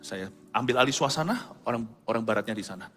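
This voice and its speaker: Man, middle-aged pastor, sermon testimony, vivid storyteller, quiet asides, long hall reverb. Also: mid-range voice, animated, fast. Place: large church hall. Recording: reverberant church hall, soft music behind.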